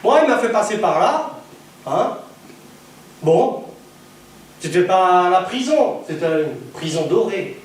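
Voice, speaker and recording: A man preaching a sermon in a church, telling a personal story in an animated way and acting out the voices of the people in it. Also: high-pitched, slow, long pauses. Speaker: evangelist preacher. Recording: echoey church hall from a distant mic.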